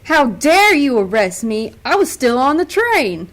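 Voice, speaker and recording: A woman's voice: high-pitched, very animated, unhurried, a bit bright, exaggerated voice. A woman playing a polite, secretly scheming visitor in an amateur radio-style mystery. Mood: indignant. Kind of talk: amateur radio-play acting. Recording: faint background noise.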